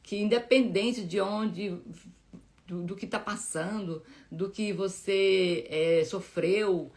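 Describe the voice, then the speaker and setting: A woman giving a heartfelt, informal devotional talk as host of a live Bible reading, halting often with restarts and fillers. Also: mid-range voice, steady tone, darkish tone.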